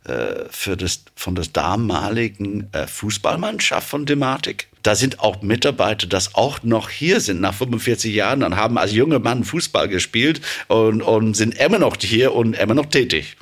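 A man's voice: lowish voice, lively intonation, normal speed, few pauses. A man from England with an English accent, a plant manager answering interview questions hesitantly, with many fillers.

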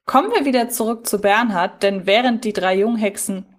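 A woman's voice: mid-range voice, brisk. A woman co-hosting a podcast in casual chat, reflective and questioning, picking her words with care. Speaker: podcast co-host. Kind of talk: casual chat about audio drama episodes.

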